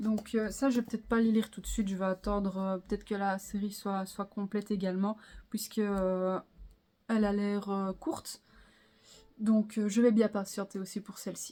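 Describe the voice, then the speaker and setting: A woman of medium pitch speaks at a moderate pace in a dark, mellow tone with monotone, flat intonation. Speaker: manga YouTuber. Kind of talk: casual haul video review. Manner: hesitant with many fillers.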